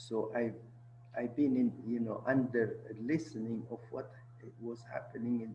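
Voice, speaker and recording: Monotone, flat intonation at a fairly slow pace. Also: man. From Morocco, Asila. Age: 80s+. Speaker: artist. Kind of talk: interview talk on his life. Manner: halting, with repetitions.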